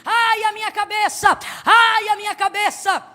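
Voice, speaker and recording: A woman's voice: very high voice, level tone, moderate pace, creaky, sharp tone, long reverb tail, voice pushed up, exaggerated voice. A woman preacher acting out a small boy crying over and over that his head hurts. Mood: wailing. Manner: repeated anguished cries.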